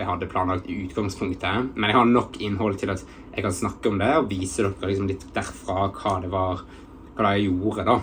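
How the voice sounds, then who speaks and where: Against noticeable background noise, a man with a fairly low voice talks at a moderate pace with fairly even intonation. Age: 20s. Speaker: YouTuber. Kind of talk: casual vlog talk. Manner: hesitant, with many fillers.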